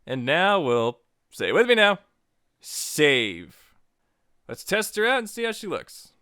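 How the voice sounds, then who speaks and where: A man with a slightly high voice hosts a casual, scripted tutorial. His pitch swings widely as he talks, and he slips in playful asides. The recording is close and dry. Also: very animated, takes it slowly, bright, forceful tone, clear, resonant tone, no echo. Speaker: tutorial host.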